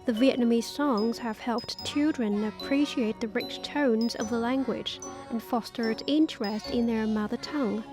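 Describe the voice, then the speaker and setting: A woman reporter narrating a news feature in a clear, even tone. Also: fairly high pitch, measured pace, few pauses. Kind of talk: scripted voice-over narration. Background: music bed.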